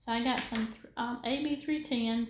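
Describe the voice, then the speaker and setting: With a Southern US accent, a woman talks at a high pitch and fairly even intonation over noticeable background noise and audible room echo. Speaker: diamond painting crafter, video creator. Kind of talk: casual chat while crafting.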